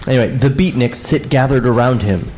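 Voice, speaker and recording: A man co-hosting a comedic table read, reading stage directions with wry, quick asides and frequent laughs. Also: mid-range voice, a little mellow, a little hiss or hum, low-quality recording.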